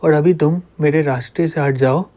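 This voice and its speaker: A cocky young male fighter, all threats and bluster, read by a man narrating a comic. His voice sits a little high and soft. The delivery is plain storybook reading rather than full acting. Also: steady tone, moderate pace, lightly acted. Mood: threatening. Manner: threatening, shouting.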